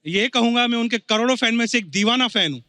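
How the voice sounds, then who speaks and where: A man's voice: very high voice, fast, very noisy. A man in the audience, an eager fan, speaking in an earnest, declamatory way. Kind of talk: audience chat.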